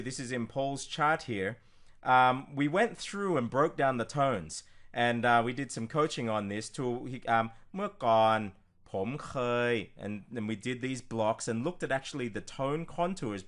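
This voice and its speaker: A man's voice: mid-range voice, a bit bright. Casual male coach, full of ums. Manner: informal, with frequent ums and restarts. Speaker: language coach. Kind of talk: screen-recorded teaching walkthrough.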